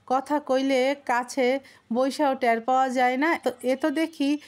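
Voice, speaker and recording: A woman's voice: high-pitched, fairly even intonation, unhurried, smooth. Woman doing a scolding village aunt. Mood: indignant. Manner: scolding, speaks broad village dialect. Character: indignant middle-aged village aunt, rustic dialect.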